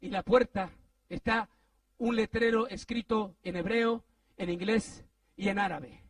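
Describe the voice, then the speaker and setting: A man preaching, telling a story in a sermon, animated and rising to shouts at the peaks. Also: unhurried, distant mic. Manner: animated, swings from low asides to shouted climaxes.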